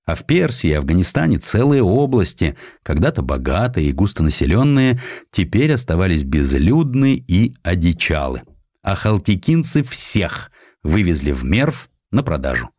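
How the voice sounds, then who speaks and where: Deep-voiced, expressive male narrator. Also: normal speed, no echo, studio quality. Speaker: audiobook narrator. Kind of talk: dramatic scripted narration of historical prose.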